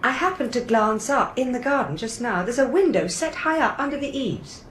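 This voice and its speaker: An actress playing a curious, persistent, genteel mistress of a house in a radio drama, questioning and dramatic in manner. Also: female voice, fairly high pitch, moderate pace, fairly bright tone, a little hiss or hum, natural voice. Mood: insistent, curious.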